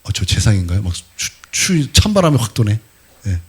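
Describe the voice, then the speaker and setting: Husky, animated middle-aged male pastor. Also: on the low side, normal speed. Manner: lively, asks the congregation questions, acts out quotes. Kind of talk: sermon. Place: church sanctuary.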